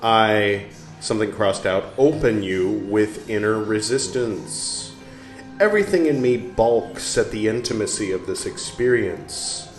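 A man hosting a show where he reads a book aloud, musing and pausing to talk back to the text in casual asides. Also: on the low side, animated. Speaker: podcast host reading aloud. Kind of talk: slow reading with casual asides. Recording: roomy room with faint background music. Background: soft instrumental music.

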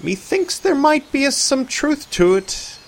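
A man's voice: extremely high pitch, sing-song, a little slow, vocal fry, voice pushed up, heavily acted. A man voicing a jovial clone man who speaks in mock-archaic English. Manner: mock-archaic speech, laughing.

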